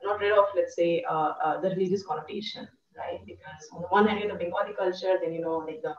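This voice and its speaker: A woman's voice: lowish voice, steady tone, fast talker, a little mellow. A young woman, lecturing thoughtfully on a video call with many fillers. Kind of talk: academic discussion on a video call. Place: room indoors. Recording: echoey, distant, muffled video call audio.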